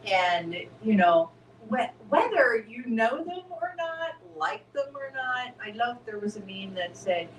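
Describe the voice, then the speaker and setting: A woman's voice: a little high, big pitch swings, unhurried, hardly any pauses. Woman co-host, reflective and chatty, echoey room, distant mic. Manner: reflective and chatty, often asks "Right?". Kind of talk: casual spiritual chat. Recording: roomy, distant mic with faint noise.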